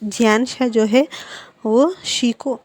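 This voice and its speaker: A woman casually retelling a story, pausing on fillers and correcting herself as she goes. Her voice is fairly high but soft and mellow. The recording is dry and close. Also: fairly even intonation, dry recording. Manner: conversational, with filler pauses and self-corrections. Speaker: story narrator.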